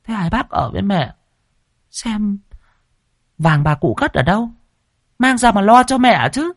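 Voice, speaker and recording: A man voicing a greedy, pushy sister-in-law who makes shrill demands, in a storybook tale. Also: lively intonation, measured pace, no room sound, studio quality, heavily acted. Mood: demanding.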